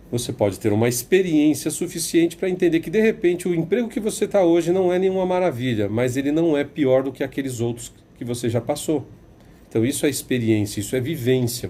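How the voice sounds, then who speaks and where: A man's voice: medium pitch, mellow, slight background noise. A man with a Brazilian Portuguese accent giving an opinion commentary, emphatic and sarcastic, repeating phrases for effect.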